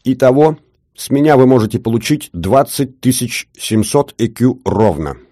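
A man's voice: mid-range voice, animated, moderate pace, warm tone, dry recording, clean studio sound, pitched above the performer's own voice, lightly acted. A man voicing a shrewd older jeweler with an Odessa accent, talking in a wheedling, sing-song bargaining patter. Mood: haggling. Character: shrewd older male jeweler, haggling, fussy.

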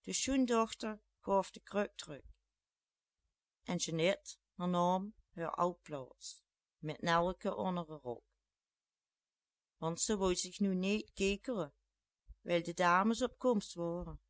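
Flemish dialect reader: very slow, deliberate narration, dry close mic. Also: medium pitch, no room sound. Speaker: storyteller. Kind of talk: slow dialect story reading.

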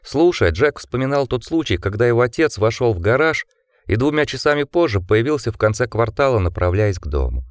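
A man narrating an audiobook with a dramatic, expressive delivery. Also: medium pitch, brisk, dry recording, clean studio sound.

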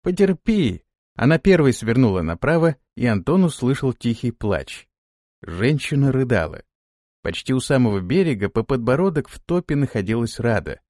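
Give me an expressive male narrator reading a fantasy story, dry and close. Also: medium pitch, moderate pace, no echo. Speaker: audiobook narrator. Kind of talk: scripted narration.

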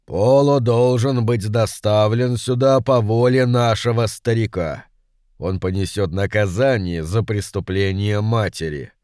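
A man voicing a pompous ancient demon lord who speaks in a slow, booming, imperious manner in an audiobook. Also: darkish tone, clear, resonant tone, no room sound, clean studio sound, lightly acted. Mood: menacing. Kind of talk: audiobook character voice.

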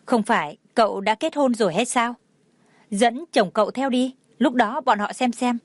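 A woman's voice: a little high, normal speed, no echo, lightly acted. A woman doing a fired-up young best friend. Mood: eager. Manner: urgent, pushy. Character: indignant young female college best friend.

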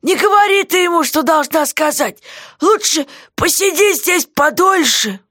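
A bossy prison jailer who shouts and blusters in a high, strained voice, as a woman reader puts him on. His pitch swoops up and down wildly, and he sounds close and dry, with no room around him. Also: lively intonation, a little slow, no echo, heavily acted. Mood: friendly. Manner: yelling, blustering. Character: gruff grunting male jailer, bossy but unsure.

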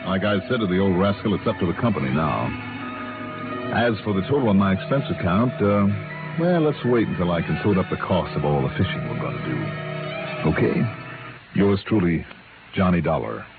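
A hard-nosed American investigator from an old radio drama, sardonic and sure of himself. His fairly low voice moves with lively inflection on a thin, narrow vintage recording. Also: a little fast, over loud music. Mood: wry, relaxed. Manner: confident, pressing, sardonic. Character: shrewd, hard-nosed male insurance investigator. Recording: vintage radio, narrow band, faint hiss.

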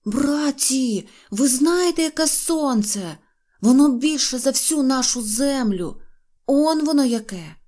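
A woman voicing an excitable, boastful little boy from a fairy tale who blurts out wild news in loud exclamations. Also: high-pitched, slow pace, pitched above the performer's own voice, heavily acted. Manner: shouting in alarm, breathless exclamations. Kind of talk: audiobook character reading.

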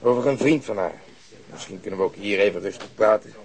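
Actor playing a male detective, lowish pitch, persistent, composed, polite, firm, radio crime drama questioning. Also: quick pace, darkish tone, close to an everyday voice. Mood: calm, firm. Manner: polite, matter-of-fact, firm.

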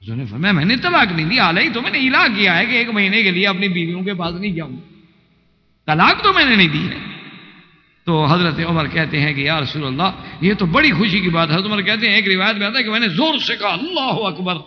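A man's voice: high-pitched, very animated. A man preaching a sermon, telling a story at length and reciting verses in a chanting lilt. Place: mosque hall. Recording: muffled recording with long hall reverb.

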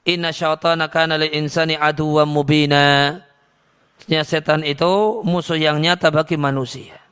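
Calm man teaching an Islamic lecture. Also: fairly high pitch, normal speed, clear, resonant tone. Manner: calm, repetitive, explaining with many restarts; recites Arabic verses then translates. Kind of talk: religious lecture on hadith.

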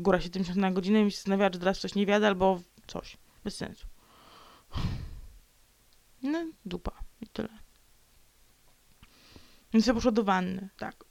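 Gravelly grumbling woman vlogger. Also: mid-range voice, flat delivery, racing, few pauses, darkish tone, no echo. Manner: sulky ranting, dips into whispered mutters; playful growls and repetitions. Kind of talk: grumbling solo monologue.

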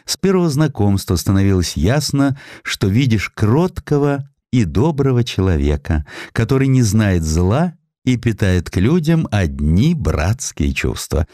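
A man narrating a historical story as an audiobook, in an expressive, dramatic storytelling manner. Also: on the low side, no room sound, clean studio sound.

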